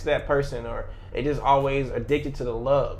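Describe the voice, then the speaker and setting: A man with an American accent and a fairly high pitch speaks at a moderate pace. Audible room echo surrounds his voice. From Atlanta area, Georgia (US South). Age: 20s. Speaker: personal trainer and creative entrepreneur. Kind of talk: casual interview.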